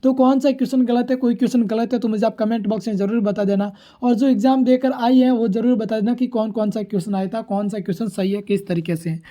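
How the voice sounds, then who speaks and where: A man with a high-pitched, mellow voice gives an informal exam-prep lesson. He talks very quickly, moving through questions and answers with repetitive, formulaic phrasing. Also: fairly even intonation.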